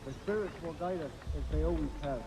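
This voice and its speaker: An actor playing a suspicious, devout tribal council member in a video game, speaking in a challenging, insistent way. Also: male voice, fairly high pitch, brisk, noisy background, close to an everyday voice. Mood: distrustful. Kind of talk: dramatic video game cutscene acting. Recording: voice under loud music.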